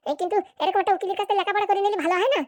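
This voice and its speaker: A woman's voice: very high voice, fairly even intonation, rapid-fire, no room sound, clean studio sound. A woman voicing an eager, deferential young village son in a comedy cartoon, with stammering starts. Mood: deferential, hopeful.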